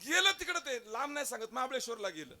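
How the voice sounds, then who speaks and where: Over a noisy crowd, a man with a very high-pitched voice talks quickly, his pitch swinging widely. He is a Marathi-accented kirtan preacher giving a devotional sermon, telling a funny story with acted-out dialogue and sudden chanting.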